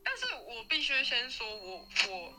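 A young woman with a Taiwanese Mandarin accent, a university student guest chatting casually and telling stories with lively laughter. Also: fairly high pitch, moderate pace, loud music behind the voice, poor audio. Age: young adult. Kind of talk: casual interview chat.

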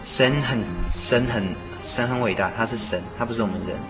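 A man's voice: medium pitch, moderate pace. A man co-hosting a Christian radio talk in a casual discussion, earnest and persuasive, repeating himself for emphasis. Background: background music.

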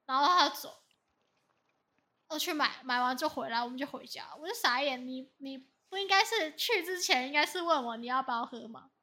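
A woman co-hosting a podcast in casual chat, telling stories in an animated way and quoting others. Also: high-pitched, brisk. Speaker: podcast co-host.

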